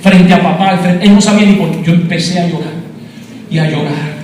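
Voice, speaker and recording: This Puerto Rican man preaches a passionate testimony, calling the congregation brother, in a high-pitched, darkish voice at a fairly quick clip. The capture is noisy, with a far-off microphone and a hall that echoes.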